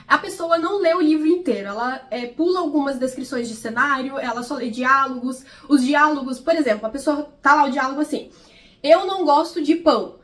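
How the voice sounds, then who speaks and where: A woman's voice: sits high, a little fast, few pauses, a bit bright. A young woman vlogging casually about books in a chatty, explanatory way, often checking in with her viewers. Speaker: book vlogger. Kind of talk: casual vlog commentary.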